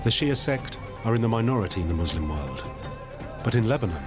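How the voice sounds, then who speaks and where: A man giving measured, grave scripted narration for a documentary. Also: fairly low pitch, sing-song, music in the background.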